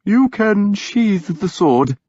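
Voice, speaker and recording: A man voicing a gentle, timid young priest who speaks softly. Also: sits high, sing-song, slow, no room sound, muffled recording, voice pushed up, heavily acted. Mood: gentle pleading. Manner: soft and gentle.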